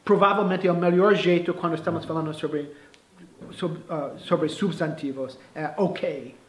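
A male English teacher explaining phrases, slowly and with restarts, in a casual lesson. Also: on the high side, fairly even intonation, reverberant.

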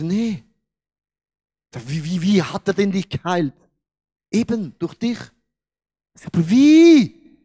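A Swiss pastor preaches from a large church stage into a handheld mic, his voice fairly high for a man. He acts out the story in an animated sermon, swinging from loud to suddenly hushed.

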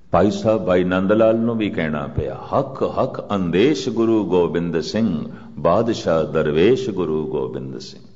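An older man giving a religious discourse, speaking slowly and measuredly and chanting scripture lines. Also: low-pitched, darkish tone. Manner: slow, measured delivery with chanted scripture quotes. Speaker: Sikh preacher. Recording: muffled archival recording with long reverb.

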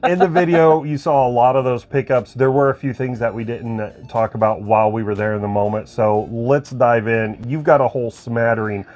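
A man's voice: mid-range voice, fairly even intonation, a little fast, hardly any pauses, darkish tone, soft background music. Teasing man co-hosting a vlog. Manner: laughs often, teasing. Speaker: co-host. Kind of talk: casual chat. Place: home collection room with shelves.

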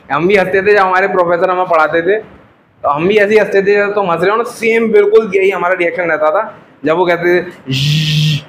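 A man's voice: sits high, a bit bright, a little hiss or hum, rough recording. A young man teaching Russian to a class, patient and joking, often calling his students "beta" as he drills the letters.

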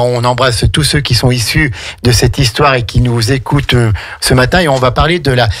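A man's voice: mid-range voice, a bit bright. Jovial male local radio host. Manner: jovial, teasing. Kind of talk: live local radio talk. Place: radio studio.

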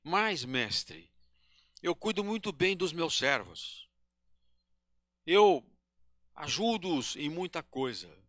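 A man in his sixties from Brazil gives a devotional lecture at a podium in a small hall, talking slowly and haltingly with pauses and self-corrections into a handheld microphone. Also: on the high side, big pitch swings, a bit bright, clean studio sound. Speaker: spiritist lecturer.

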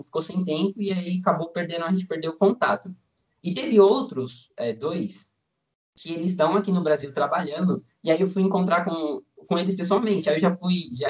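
Rambling young man, slightly high voice. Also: lo-fi sound. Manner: relaxed, rambling, many fillers like "tipo" and "assim". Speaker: student guest. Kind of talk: casual interview chat.

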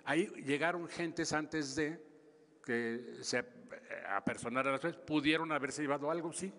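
A Mexican man in his seventies answering press questions in a halting, emphatic way, often repeating himself. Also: a little high, fairly bright tone. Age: 70s. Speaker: government official at press conference. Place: large indoor press conference hall. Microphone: podium microphones. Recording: reverberant hall, podium microphone.

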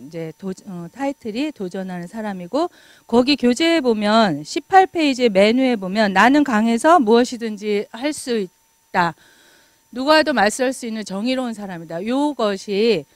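A middle-aged woman giving a lecture in an animated way, laughing often and acting out remarks. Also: mid-range voice, no room sound.

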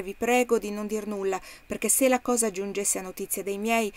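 A woman's voice: medium pitch, lightly acted. A woman reading the part of an indebted, uneasy male plantation owner who speaks curtly and with disgust. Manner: curt, disgusted.

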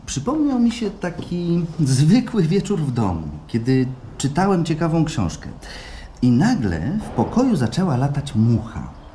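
Radio play client: obsessive, nervous man, fretful confider, mellow tone, swinging intonation, noisy live recording. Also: medium pitch. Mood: confiding. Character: obsessive male client, nervously confessing, eerily elated. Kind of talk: live radio play acting, intimate monologue.

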